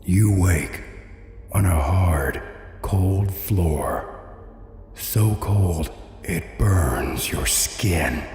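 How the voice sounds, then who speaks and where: A man playing an ominous horror host who addresses the listener in slow, drawn-out, menacing scripted narration. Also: sits low, darkish tone, echoey room, big-room sound.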